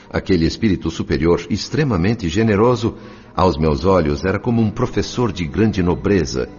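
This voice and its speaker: A Brazilian actor playing a humble, compassionate spirit who narrates a dramatised audiobook in an earnest, literary and expressive manner. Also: male voice, low-pitched. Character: André, compassionate male spirit narrator, humble, devoted helper. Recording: dull lo-fi sound with music. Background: background music.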